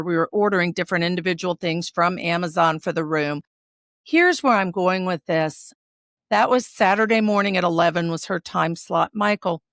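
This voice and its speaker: Animated middle-aged woman telling a story. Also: lowish voice, dry recording, studio quality. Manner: animated storyteller acting out family dialogue. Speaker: co-host, a judge. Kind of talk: casual chat.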